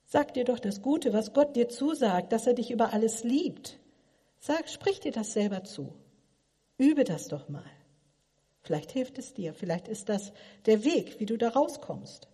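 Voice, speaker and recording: Middle-aged woman preacher, earnest probing sermon, husky mellow voice, long hall reverb. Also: a little high. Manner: earnest, probing questions to listeners.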